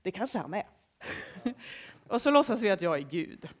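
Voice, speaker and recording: A woman preacher in a church telling a Bible story to all ages with lively expression. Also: mid-range voice.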